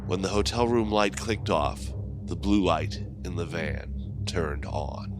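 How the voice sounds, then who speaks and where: A man reading a scripted horror story as its narrator, in a measured, dramatic way. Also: sits low. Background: music behind the voice.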